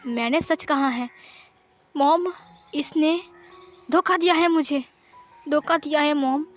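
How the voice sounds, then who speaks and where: A woman's voice: sits high, slow, soft background music. A woman voicing an angry young man who bitterly accuses his partner and family, in a sarcastic tone. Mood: bitter, accusing.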